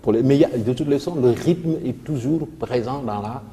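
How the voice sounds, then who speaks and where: A man with a Senegalese French accent, a teacher explaining poetry and rhythm on a televised revision lesson, reciting lines of verse slowly. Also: medium pitch, dark tone, big-room sound. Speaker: literature teacher.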